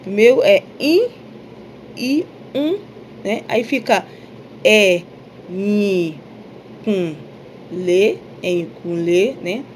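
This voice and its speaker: A woman teaching a vocabulary lesson, saying each word slowly several times and then translating it. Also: medium pitch, animated, slight background noise, low-quality recording. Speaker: Yoruba language teacher. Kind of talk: slow, deliberate vocabulary lesson.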